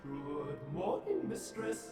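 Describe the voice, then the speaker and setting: Courteous butler robot for a game, high and sing-song, with big echo and music underneath. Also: male voice, expressive, slow, dark tone. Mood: courtly. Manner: formal, courteous, fussy about duty. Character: prim polite male butler robot. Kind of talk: video game character dialogue. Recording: echoey and distant, game music behind.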